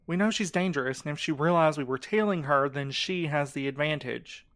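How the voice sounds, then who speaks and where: A cautious young man playing detective in an audio drama. The voice sits a bit high for a male, with a sardonic, exasperated and insistent edge. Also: a little fast, fairly bright tone. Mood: urgent. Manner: wry, insistent.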